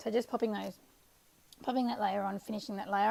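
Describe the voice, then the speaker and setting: A woman mumbling. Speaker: craft video creator. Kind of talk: tutorial. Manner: halting.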